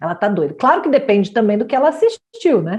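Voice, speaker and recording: A woman is speaking. Her pitch swings very widely. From Rio Grande do Sul, southern Brazil. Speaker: parenting educator and podcast host. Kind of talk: advice podcast conversation. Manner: animated.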